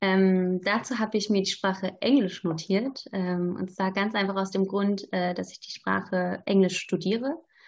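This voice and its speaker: The woman's medium-pitched voice holds a moderate pace and fairly even intonation. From Germany. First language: Turkish (speaking German). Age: 20s. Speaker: teacher-training student. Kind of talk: interview.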